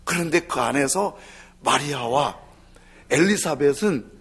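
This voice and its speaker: A male pastor preaching a sermon with animated delivery that drops into soft, half-whispered asides. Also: on the high side, a little slow, husky.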